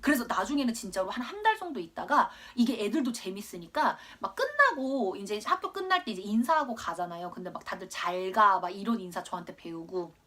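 A woman's voice: mid-range voice, sing-song, fairly quick, hardly any pauses, fairly bright tone. A woman in her twenties who grew up in Australia, telling a rambling, self-mocking story while teaching English. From Korea, raised in Australia. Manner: chatty, rambling, laughs at herself. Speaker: English tutor. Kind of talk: casual storytelling in a lesson video.

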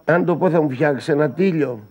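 A man's voice: a little high, natural voice. An actor playing a battered, whiny husband who sulks in pain and pleads with his wife, in a TV sitcom. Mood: pleading. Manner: plaintive and pleading, with sudden yelps of pain. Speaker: actor in a TV comedy series. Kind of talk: sitcom acting. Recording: dull broadcast audio with background noise.

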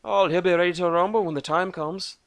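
A man voicing a gruff, boisterous male dwarf with a put-on Scottish-Irish brogue. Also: sits high, steady tone, a little fast, no room sound, voice pushed up. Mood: rowdy. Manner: loud, boisterous, gravelly.

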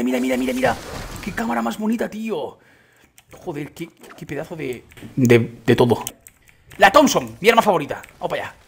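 A young man with a Spanish accent reacting to a video game with excitement. His voice sits high and swings widely in pitch, leaping up on exclamations. A husky edge runs through his tone. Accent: Spain Spanish. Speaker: gaming YouTuber. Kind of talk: excited gameplay commentary.

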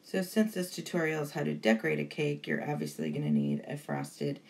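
A woman narrates an informal how-to voice-over. Her pitch sits quite low and often drops into vocal fry. She is chatty and encouraging, explaining each step as if to a beginner. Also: very animated, brisk, darkish tone. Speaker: baking tutorial host.

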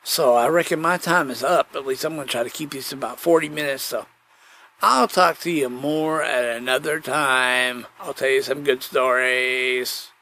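A man's voice: medium pitch, moderate pace, bright, forceful tone. A man telling rambling, nostalgic stories in a folksy, meandering monologue. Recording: noisy, with ambient background sound.

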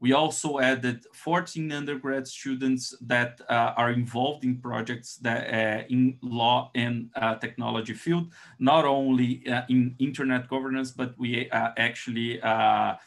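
A man with a Brazilian accent and Portuguese as his first language, presenting slides on a video call as an academic, in a hesitant, halting way. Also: mid-range voice, steady tone.

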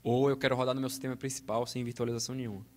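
A man's voice: mid-range voice, flat delivery, racing. A man with a Brazilian Portuguese accent giving a technical conference talk, explaining step by step with frequent check-ins on a hall microphone. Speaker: conference speaker. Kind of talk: technical talk with live demo. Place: conference auditorium stage. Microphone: handheld then podium microphone.

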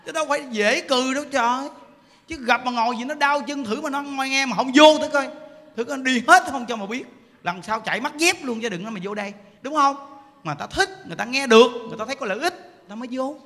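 A man, a Buddhist monk, giving an animated, joking dharma talk and acting out people's voices. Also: very high-pitched, quick pace. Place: temple hall. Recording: hall reverb with faint ambience.

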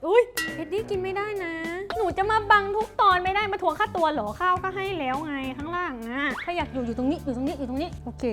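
High-pitched excitable woman vlogger. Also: quick pace, few pauses. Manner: excitable, playful, talks to her dog and the toy. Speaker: product review vlogger. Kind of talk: casual chatty product review. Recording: music playing under the voice.

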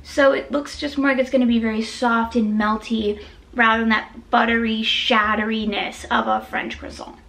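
A woman's voice: a little high, little pitch movement, normal speed, vocal fry, a bit bright. A woman hosting a mukbang, chatting casually about desserts while chewing and tasting. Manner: chatty and self-deprecating, talks while chewing. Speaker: food vlogger.

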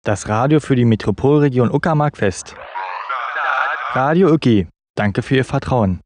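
A man's voice: mid-range voice, lively intonation, moderate pace, darkish tone, dry recording. A man announcing parody adverts and radio promos in a scripted comedy audio play.

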